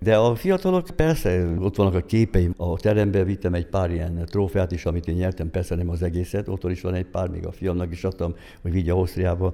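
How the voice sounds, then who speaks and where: Very deep, low male voice with a dark, mellow tone, monotone and flat, fairly quick, with hardly any pauses. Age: 70s. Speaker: veteran bodybuilder. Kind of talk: interview.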